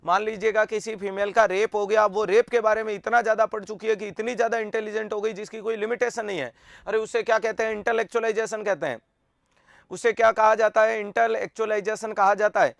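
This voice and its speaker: A man teaching an online nursing exam lecture, energetic and quizzing students with repeated rhetorical questions. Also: sits high, a little fast, creaky, dry recording, studio quality.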